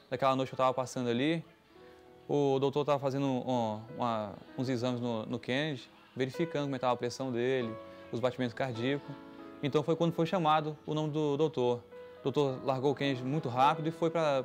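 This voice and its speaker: A man giving a halting, emotional personal testimony about a frightening family event. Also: medium pitch. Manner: halting, emotional retelling with restarts. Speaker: testimony giver. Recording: music underneath.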